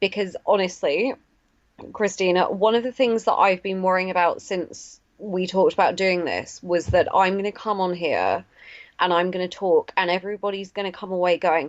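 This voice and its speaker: Medium-pitched female speech with a British accent, fairly even intonation and a moderate pace. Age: 20s. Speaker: podcast guest. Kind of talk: casual interview conversation.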